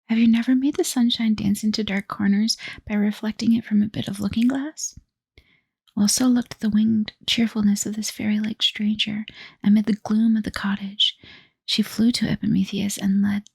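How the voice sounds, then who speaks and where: A woman reading a children's myth aloud in a soft, breathy whispered role-play, close to the mic. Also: mid-range voice, dry recording. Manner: slow soft storybook reading. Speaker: ASMR storyteller.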